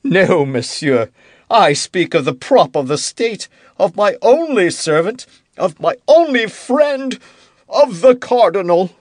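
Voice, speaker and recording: A man voicing a fretful, self-pitying king who turns irritable and accusing, with a high, whiny, petulant voice in an audiobook. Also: sing-song, slow pace, no room sound, studio quality, heavily acted. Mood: indignant. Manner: rising into indignant outbursts. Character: fretful, self-pitying middle-aged king, quick to anger. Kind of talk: audiobook character reading.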